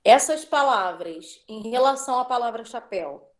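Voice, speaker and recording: A woman's voice: a little high, expressive, normal speed. A woman teacher giving an online class, patiently drawing out words as she drills syllables.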